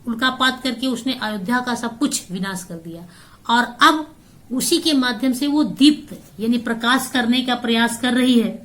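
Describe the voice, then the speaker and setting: A woman teaching a class goes through a poem line by line. She reads each verse aloud, then restates it in simple everyday words. Her voice sits a little high. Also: a bit bright. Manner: reads verse lines then paraphrases them plainly. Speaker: Hindi teacher.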